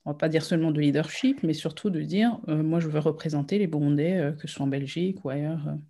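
A woman hosts a podcast in casual chat. She teases her guest playfully and laughs easily. Her questions come out relaxed and lively. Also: low voice, fast. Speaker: podcast host.

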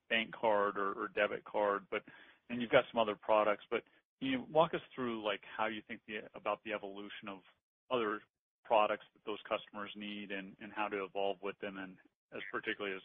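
A man, a financial analyst, asking an unscripted question on an earnings call, halting as he circles toward his point. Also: fairly low pitch, flat delivery, dry recording. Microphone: phone. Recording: dry, narrow phone line.

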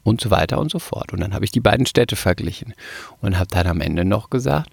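Joking man with creaky voice, dry close sound. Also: fairly low pitch, a little fast, no room sound. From Palatinate, Germany. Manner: joking, animated storytelling, repeats words for emphasis. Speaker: podcast co-host, actor. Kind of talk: casual comedic chat.

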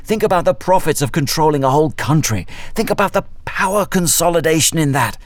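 A man's voice: fairly high pitch, animated, fairly quick, no room sound, natural voice. An actor playing an older, cornered crime boss in an audio drama, smug and wheedling, stammering as he justifies himself. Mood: defensive, smug.

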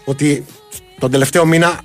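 A man's voice: a little high, steady tone, faint music behind. A man co-hosting a comedy talk show, teasing his partner in playful, mock-serious banter. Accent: Greek. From Greece. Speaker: co-host.

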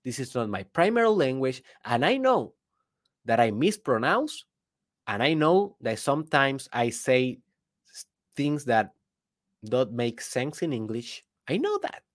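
A man's voice: medium pitch, very animated, a little slow. A native Spanish-speaking man with a Spanish accent, giving an emphatic solo motivational talk as a business coach, often asking the listener rhetorical questions.

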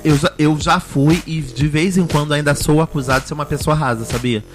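A man co-hosting a relaxed podcast, his voice sitting a little high. He tells anecdotes with dramatic, animated asides. Music runs clearly underneath. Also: a little fast. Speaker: podcast co-host. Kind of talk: casual chat.

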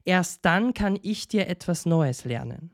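Ein Mann mit österreichischem Akzent spricht beim Erzählen einen ruhigen, weisen Mönch, langsam und belehrend. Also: male voice, high-pitched. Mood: calm. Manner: slow, calm, instructive. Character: calm wise male monk, unhurried.

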